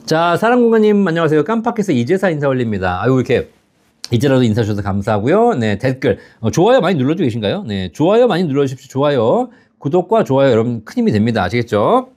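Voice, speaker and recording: Lively, chatty man in his fifties. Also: mid-range voice, fast talker. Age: 50s. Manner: chatty, laughs at his own stories, asks "right?" often. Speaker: pension advice host. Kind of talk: live-stream Q&A reading viewer comments.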